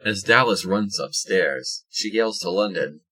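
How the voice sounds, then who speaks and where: A man narrates an audio drama from a script. His voice is very low and noticeably husky. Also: expressive, measured pace, pushed and bright, low-quality recording.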